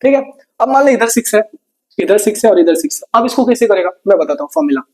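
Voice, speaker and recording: Man doing a quick-fire revision lesson. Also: sits high, expressive. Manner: asks students questions and answers them himself; casual, brotherly tone with memory tricks and jokes. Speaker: teacher. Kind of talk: rapid exam revision lesson.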